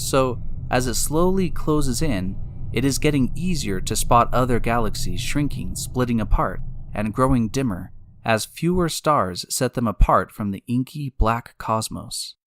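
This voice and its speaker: A man's voice: medium pitch, animated, moderate pace, a little hiss or hum. A man delivering scripted, dramatized science narration as the guide of a radio drama, explanatory in manner. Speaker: narrator and time machine guide. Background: loud music.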